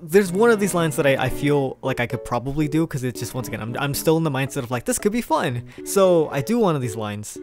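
Young man, higher voice, rapid casual storytelling, slangy and animated, faint background music. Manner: animated, chuckling, informal slangy rambling. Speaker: video creator, amateur voice actor.

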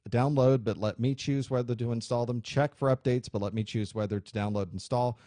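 A man teaching a computer course, explaining software settings in a clear, steady way while recording a screen tutorial. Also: mid-range voice, fairly quick, no room sound. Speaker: IT instructor.

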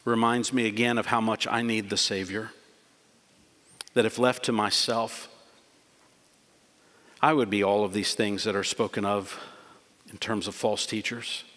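A man's voice: on the low side, level tone, unhurried, pauses often, fairly bright tone. A middle-aged man preaching earnestly from a church pulpit, closing with a prayer. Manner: earnest, emphatic preaching with repeated phrases. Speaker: pastor. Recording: long church hall reverb.

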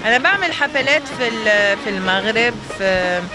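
Egyptian woman singer, guest interview outdoors on a handheld mic, halting and filler-heavy, music playing behind. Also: on the high side, animated, poor audio. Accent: Egyptian Arabic. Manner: hesitant, with many fillers and restarts. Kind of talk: casual interview chat. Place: outdoors by a fountain in a city square. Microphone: handheld microphone.

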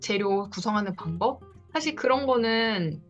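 A woman's voice: medium pitch, expressive, normal speed. A woman in her thirties giving encouraging advice as a coach in a one-on-one online session. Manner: encouraging, advising. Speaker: coach for independent lecturers. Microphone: video call. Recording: dull lo-fi video call audio. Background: faint guitar music.

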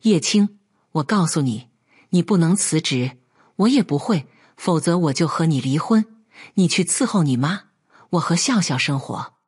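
A woman voicing an indignant, sharp-tongued young wife who scolds her selfish father-in-law in a read-aloud story. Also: low-pitched, expressive, normal speed, slightly rough.

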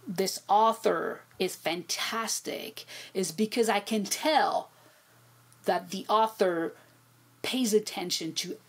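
A woman's voice: mid-range voice, slow pace, slightly rough. A middle-aged woman whose first language is French, talking animatedly as a guest over a video call from home. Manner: animated, expressive, repeats words when excited. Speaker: guest, poet and translator. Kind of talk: casual conversational interview. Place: home room with bookshelves.

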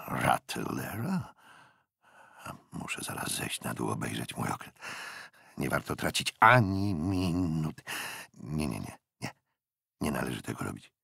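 A man's voice: extremely low pitch, gravelly, breathy edge, dry recording, clean studio sound, full character voice. Jack Aubrey, hearty sea captain, voiced by a man. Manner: loud, jovial, breaks into laughter. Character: hearty young male naval captain, boisterous.

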